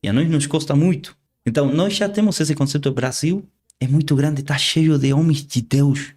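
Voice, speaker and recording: Fairly high in pitch with a darkish tone, the voice belongs to an Argentine guest preacher, a native Spanish speaker with an Argentine accent. He speaks with sincerity but stops and starts, echoing his own words while preaching in an interview.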